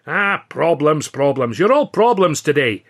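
A man's voice: a little high, sing-song, unhurried, a bit bright, pitched above the performer's own voice, exaggerated voice. A man voicing a cocky, bossy little Scottish film comedian in an audiobook. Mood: impatient. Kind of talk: audiobook character voice.

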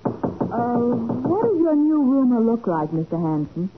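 An actress playing an alert, inquisitive detective's assistant, lively and prodding, in 1940s radio style. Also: female voice, a little high, a little slow, music in the background. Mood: curious. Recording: narrow old 1940s radio recording.

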